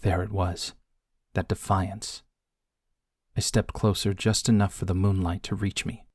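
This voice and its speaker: A man narrates an audiobook in a low, dry-sounding voice. His delivery is unhurried and hushed, with deliberate pauses for dramatic effect. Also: level tone, no echo.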